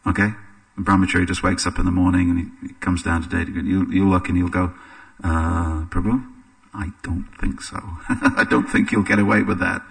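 A deep, gravelly-voiced English man leads a scripture class, speaking in a relaxed, anecdotal way and pausing on fillers. His voice is husky and comes from some distance away from the mic. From England. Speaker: religious teacher. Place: temple hall.

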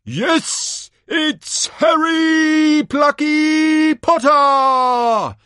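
A man voicing a bombastic sports announcer from a storybook, a booming showman with drawn-out theatrical calls. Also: very animated, fairly bright tone, dry recording, clean studio sound, heavily acted. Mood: showy, grandiose. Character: bombastic male sports announcer hyping a tournament.

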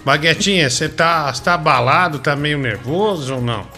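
A man's voice: on the high side, lively intonation, brisk, bright, forceful tone, faint music behind. A man hosting a call-in comedy show, teasing and laughing as he cuts callers off. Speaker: radio comedy host.

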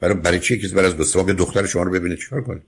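A very deep, husky male voice counseling a caller on a radio advice show. He talks in a firm, lecturing way and cuts in with pointed questions. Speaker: radio call-in advice host.

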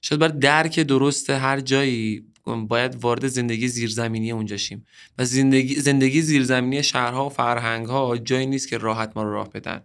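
Man, from southern Iran, podcast guest, middle-pitched voice, opinionated, earnest, heated at times. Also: fairly even intonation, a bit bright, clear, resonant tone. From Bushehr, southern Iran. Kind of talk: casual podcast conversation.

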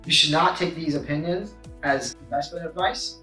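A man's voice: on the high side, moderate pace, pushed and bright. A man hosting a podcast interview. He reads a polished intro, then ad-libs with many "uh"s and restarts. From United States. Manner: scripted-sounding intro, then hesitant with frequent fillers when ad-libbing. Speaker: podcast host. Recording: echoey room with faint music.

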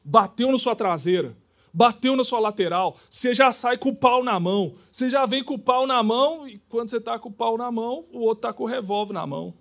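High-voiced preacher. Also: male voice, a little fast, gravelly. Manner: animated, acts out dialogues. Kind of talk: sermon.

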